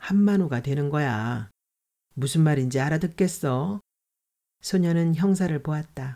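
Over a silent background in a very clean recording, a woman speaks with a dark, mellow tone, a very deep, low pitch and ordinary pitch variation. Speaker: audiobook narrator. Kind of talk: reading aloud. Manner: soft-spoken.

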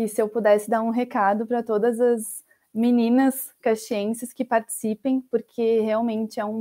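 Over a quiet background, a woman speaks fairly slowly at a fairly high pitch in a dark, mellow tone. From Rio Grande do Sul, Brazil. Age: 20s. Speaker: physiotherapist, beauty pageant candidate; candidate. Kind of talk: live interview. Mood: warm, emotional, smiling. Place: home room.

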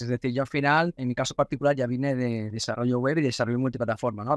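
Against a quiet background, a man talks at a very fast pace with fairly even intonation and a dry sound with no echo. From Valencia, Spain; Spain. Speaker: cybersecurity engineer and content creator; content creator. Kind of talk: interview.

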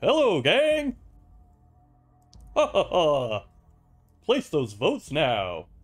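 A man's put-on character voice, high-pitched, at a very slow pace with long, frequent pauses. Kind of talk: announcer voice. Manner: upbeat, showy.

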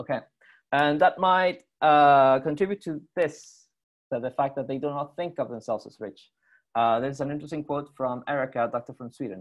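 Against a quiet background, a man talks at a moderate pace with ordinary pitch variation and big swings in loudness. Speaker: researcher presenting report. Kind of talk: report presentation. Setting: video call. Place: home room. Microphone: webcam.

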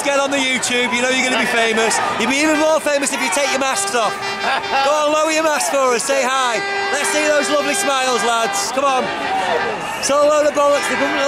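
Against loud background music, a man talks at a very fast pace with ordinary pitch variation. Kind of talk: casual vlog chat. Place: street. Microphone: phone near.

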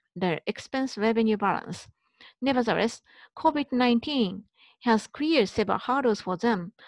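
A woman with a Japanese accent, fairly high pitch, moderate pace and ordinary pitch variation, in a dry, close sound with no echo and a very clean recording with a silent background. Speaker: real estate investment advisor. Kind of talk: presentation to camera. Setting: outdoors by the ocean. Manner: halting.

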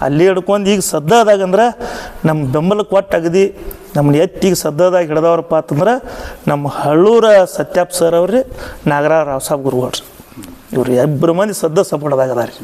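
Through noticeable background noise, a high-pitched man talks with ordinary pitch variation. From Belagavi district, northern Karnataka. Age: 30s. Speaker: folk drum-song singer. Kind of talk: interview.

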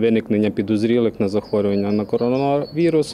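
Against light background noise, a man speaks at a moderate pace with a medium pitch and ordinary pitch variation. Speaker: hospital official. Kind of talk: interview. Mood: calm, serious. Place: street.

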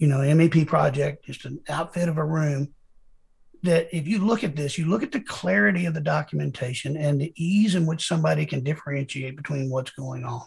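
Over a quiet background, a man with a fairly high, somewhat breathy voice talks at a fairly quick pace with ordinary pitch variation. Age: 60s. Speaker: Revit MEP expert; guest. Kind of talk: tutorial demonstration; interview answer. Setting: live video stream. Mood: earnest, instructive. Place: home room. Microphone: webcam.

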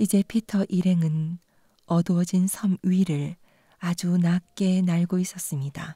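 Calm and soothing, a woman speaks at a very slow pace in a fairly low, somewhat breathy voice with a dark, mellow tone, very even loudness, fairly even intonation, and a dry, close sound with no echo. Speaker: audiobook narrator. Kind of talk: bedtime story reading aloud, scripted narration. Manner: calm, slow and soothing, gently lulling pace with soft character voices.

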